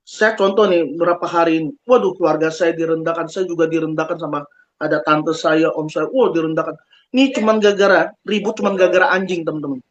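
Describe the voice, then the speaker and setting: A man giving a testimony-style talk over a video call, animated and speaking straight to his listeners. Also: fairly high pitch, fast, lo-fi sound. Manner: animated, acts out quoted voices, addresses listeners directly. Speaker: speaker at a fellowship meeting.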